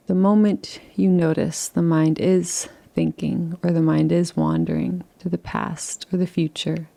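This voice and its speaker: Meditation guide, woman: low-pitched voice with vocal fry, soft and unhurried, gently inviting. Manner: soft, unhurried and soothing, with long pauses; gently invites rather than instructs. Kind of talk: guided relaxation.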